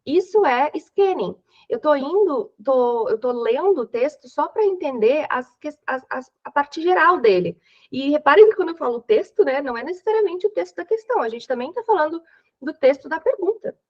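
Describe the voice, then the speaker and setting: A young woman with a Brazilian Portuguese accent and a high voice teaches an exam-prep English lesson. She talks her students through each step in a chatty way and checks in with them often. The audio is dull and lo-fi, like an online class recording. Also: animated, normal speed. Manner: chatty, explains step by step, frequent "né?".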